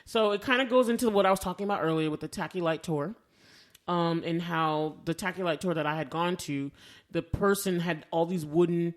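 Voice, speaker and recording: A woman's voice: fairly low pitch, brisk. A woman co-hosting a podcast, chatting casually and expressively with conversational asides. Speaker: podcast co-host reviewing films.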